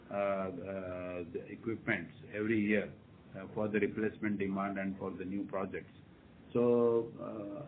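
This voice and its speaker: A man with an Indian accent, a company executive giving unscripted answers on a conference call, repeating himself for reassurance. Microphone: telephone conference line. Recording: noisy narrowband phone line with rumble.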